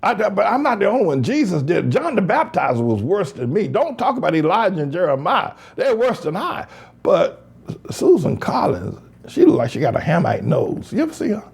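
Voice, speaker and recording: Fiery preacher guy riffing on the news, kinda high voice, swoops up and down a lot, mocking. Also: big pitch swings, moderate pace, gravelly, husky. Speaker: pastor and host of a news blog. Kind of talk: biblical political commentary.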